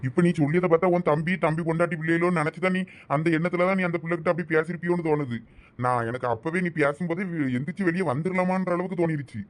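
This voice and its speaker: A man's voice: on the high side, quick pace, no echo, lightly acted. A man with a Thoothukudi Tamil accent playing a firm middle-aged husband who lectures his wife. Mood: stern. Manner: stern, lecturing. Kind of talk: village comedy skit acting.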